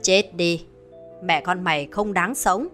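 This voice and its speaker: A woman voicing a cruel, scheming middle-aged village wife who taunts in a shrill, sneering voice. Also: slow, fairly bright tone, faint music behind. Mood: snarling. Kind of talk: dramatized horror storytelling.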